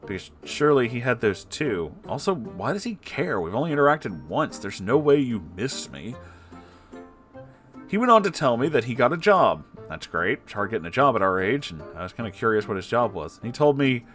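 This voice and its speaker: A man's voice: mid-range voice, sing-song, normal speed, fairly bright tone, soft background music. A man hosting a story reading, narrating an online tale expressively and conversationally, with asides of his own. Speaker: host reading Reddit stories.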